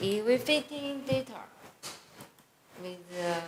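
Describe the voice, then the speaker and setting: With a non-native accent and lively intonation, a woman speaks amid noticeable background noise and audible room echo. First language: not English. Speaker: conference presenter. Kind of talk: conference talk with Q&A. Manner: halting.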